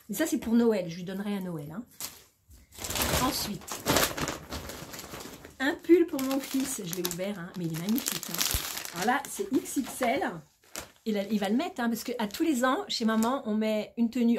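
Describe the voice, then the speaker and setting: A middle-aged woman talks in a chatty, informal way straight to her viewers, in the style of a casual haul vlog. Her pitch is average for a woman. She is recorded in a small room at home, a little way the camera, with faint noise. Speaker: shopping haul vlogger.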